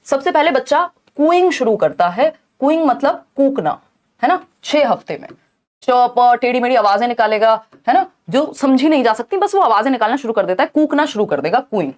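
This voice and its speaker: High-voiced woman teaching an exam-prep class. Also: sing-song, fairly quick. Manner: explanatory, checks in with students often.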